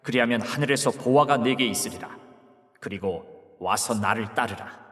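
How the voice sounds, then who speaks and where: A man voicing Jesus as a calm, authoritative teacher in a dramatized Bible reading, speaking in a measured, solemn way. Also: mid-range voice, in a large hall, natural voice. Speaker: voice actor.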